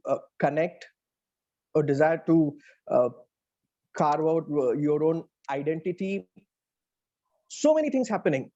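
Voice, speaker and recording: A man with an Indian accent talking reflectively in a casual interview as a writer, often pausing to search for words. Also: on the high side, warm tone. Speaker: interviewed audio playwright. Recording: dull, band-limited audio.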